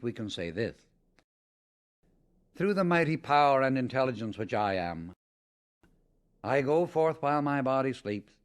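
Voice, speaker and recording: A man with a mid-pitched voice narrates a spiritual teaching from a script. His delivery is solemn and deliberate, placing firm emphasis on key words as an audiobook reader would.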